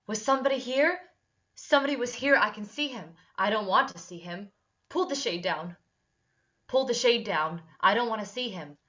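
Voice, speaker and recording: A woman's voice: a little high, animated, moderate pace, bright, forceful tone, lo-fi sound. A woman reading the part of a distraught, fragile young patient in a mental hospital at a screenplay table read. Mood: panicked, distraught.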